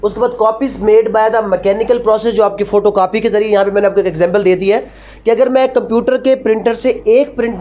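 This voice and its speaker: In a mellow, mid-range voice, a woman with a Pakistani accent lectures a law class. She teaches by asking rhetorical questions and answering them, blending Urdu with English legal phrases.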